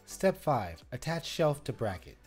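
A man's voice: mid-range voice, big pitch swings, a little slow, darkish tone, soft background music. Man narrating a DIY how-to. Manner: instructive, step-by-step. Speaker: DIY channel co-host. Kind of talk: scripted how-to voice-over.

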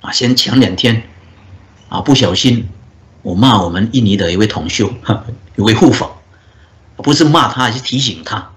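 A man, a Buddhist monk, giving a dharma talk as a story, with drawn-out filler particles and frequent chuckles. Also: lowish voice, lively intonation, fairly bright tone.

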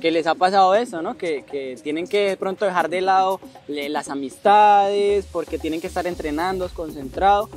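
A young man with a Colombian accent and a fairly high, light voice asks long, rambling questions in an easy, joking tone. He sits on a park bench outdoors, picked up by a camera a few feet away. Faint music plays underneath. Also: normal speed, few pauses. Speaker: interviewer. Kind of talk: casual sit-down interview.

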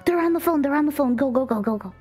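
A giggly, encouraging woman streamer co-hosting a show with excited casual banter. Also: high-pitched, very fast. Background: music.

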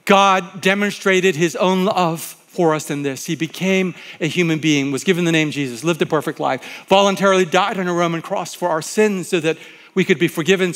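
A middle-aged male pastor preaching a sermon, telling a story with voiced quotes and slowing down to stress key lines. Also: high voice, fairly bright tone.

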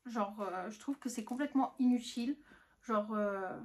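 A woman's voice: on the high side, moderate pace, darkish tone. A young woman reviewing used-up beauty products in a casual, frank chat. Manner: chatty, frank, lots of "honnêtement" and "franchement". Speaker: beauty vlogger.

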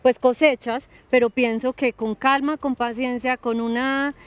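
A young woman hosting a TV gardening show, talking calmly outdoors in a garden with a few fillers. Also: high-pitched, measured pace, smooth. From Colombia. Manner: calm, explanatory, with fillers. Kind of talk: relaxed TV show conversation.

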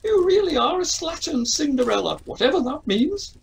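A bossy, exaggerated ugly stepsister from an amateur pantomime, played by a woman. The voice sits high and swings widely, with faint noise from a home video-call recording. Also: big pitch swings, moderate pace, creaky, exaggerated voice. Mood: bossy, scornful. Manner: haughty, exaggerated. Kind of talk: amateur audio pantomime acting.

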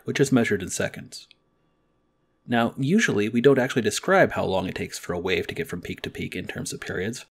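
Husky-voiced man calmly explaining. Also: fairly low pitch. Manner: calm explanatory teaching. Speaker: library educator. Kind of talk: screen-recorded tutorial. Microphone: quality desk microphone.

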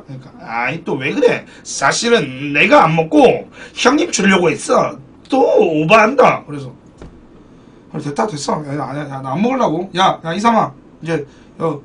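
This man has a high voice and sits far from the mic while streaming a football card game. He's animated, chatting casually with viewers, thanking donors, and swearing as he banters with chat.

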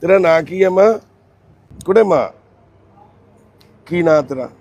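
A man working as a charity volunteer host, talking gently with a family and soothing them with soft repeated words. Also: fairly high pitch, animated, a little slow, gravelly. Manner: coaxing, soothing, repeats himself softly. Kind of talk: gentle on-site conversation.

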